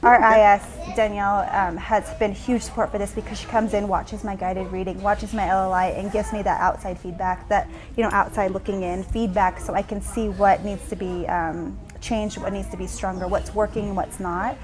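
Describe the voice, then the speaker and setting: A woman's voice: mid-range voice, flat delivery, normal speed, few pauses. A woman, a reading intervention teacher, answering interview questions in an earnest way with frequent fillers.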